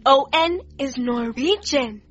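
An actress playing a snarky young witness. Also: female voice, high-pitched, expressive, slow, fairly bright tone, soft background music, exaggerated voice. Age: young adult. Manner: snarky, valley-girl drawl. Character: sassy underage young woman witness. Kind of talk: audio drama acting. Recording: dull lo-fi sound.

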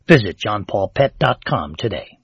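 A man reading a sponsor announcement in a brisk, upbeat style. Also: on the low side, sing-song. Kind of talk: scripted ad read. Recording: dry, dull audio.

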